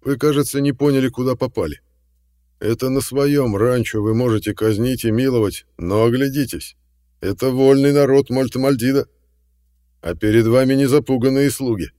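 A man voicing a calm, courteous older man in an audiobook, giving measured warnings. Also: mid-range voice, no room sound, clean studio sound, big-room sound, pitched above the performer's own voice, natural voice. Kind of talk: audiobook reading.

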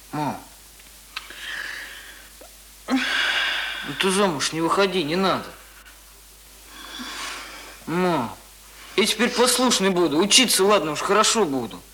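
A performer playing a reticent, earnest young village boy in a Russian radio play, answering in short, halting phrases. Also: mid-range voice, bright, forceful tone, exaggerated voice. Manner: short, halting, plain replies. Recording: noisy radio drama recording.

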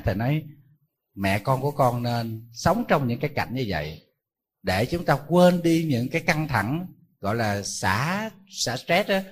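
A man's voice: mid-range voice, breathy edge. A man, a Buddhist monk giving a sermon, telling stories in a conversational way and throwing rhetorical questions at his listeners.

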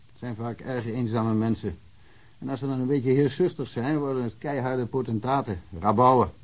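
An actor playing a chatty, blunt male small-town police officer in a radio drama, with a husky voice. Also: mid-range voice, darkish tone. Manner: talkative and blunt.

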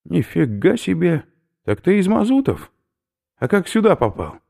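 A man voicing a brash, rough young male skinhead who talks loudly and bluntly in slang. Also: medium pitch, sing-song, slow, pitched above the performer's own voice. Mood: interrogating. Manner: loud, blunt, slangy, impatient.

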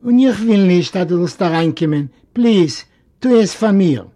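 A man's voice: high-pitched, animated, measured pace. A man voicing a tearful young mother. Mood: pleading. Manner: pleading, soft.

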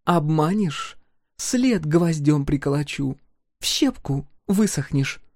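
A man's voice: a little high, lively intonation, takes it slowly, a little mellow, dry recording, clean studio sound, voice pushed up, exaggerated voice. A man reading an audiobook, voicing a bold, mocking young village girl who speaks slyly and haughtily. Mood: threatening. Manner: sly, teasing, haughty.

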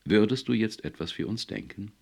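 A man doing a brisk white-haired old boss. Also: lowish voice, creaky, darkish tone, slightly rough, pitched above the performer's own voice. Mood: coaxing. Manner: coaxing, businesslike. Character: older man, dream-company boss, brisk.

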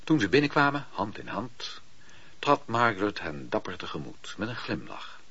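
A man's voice: on the low side, very animated, moderate pace, gravelly, a bit bright, husky, full character voice. A man narrating a historical radio drama as an all-knowing, literary storyteller. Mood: measured, dramatic. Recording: dull lo-fi radio play recording.

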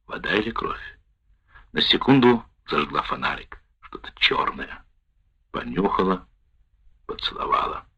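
A man reading a wartime memoir aloud in the first person, with a measured, expressive delivery. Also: fairly low pitch, slightly rough. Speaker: narrator. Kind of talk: audiobook narration of a wartime memoir. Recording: dull lo-fi recording.

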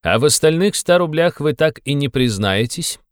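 A man's voice: medium pitch, lively intonation, normal speed, no echo, clean studio sound, pitched above the performer's own voice, lightly acted. A man voicing a pompous, fussy middle-aged official who adds old-fashioned deferential endings to his words. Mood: pompous reproach.

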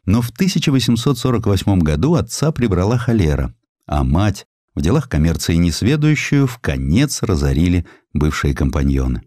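A man narrates literary historical tales in a low voice. His delivery is theatrical and folksy, savoring phrases with sweeping intonation. The recording is close and dry. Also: a little mellow, dry recording. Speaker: audiobook narrator. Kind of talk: expressive literary storytelling of historical sketches.

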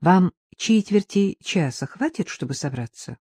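A woman reading a courteous middle-aged gentleman. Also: on the low side, lively intonation, a little slow, breathy edge, no room sound, studio quality. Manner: polite, formal.

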